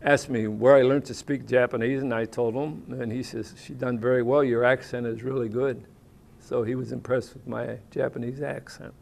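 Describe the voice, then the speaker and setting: An older American man tells his service memories in a rambling, homespun way. His voice has a gravelly fry, and he often stops on "uh" between thoughts. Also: mid-range voice, fairly even intonation, normal speed, darkish tone. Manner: rambling, plainspoken with folksy grammar and many fillers. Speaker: veteran interviewee. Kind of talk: oral history interview, casual recollection.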